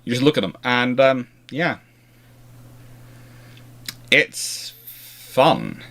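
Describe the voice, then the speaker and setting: A man's voice: mid-range voice, sing-song, very slow, gravelly, bright, forceful tone. A man hosting a casual history question-and-answer chat, rambling and often circling back to rephrase himself. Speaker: host answering viewer questions.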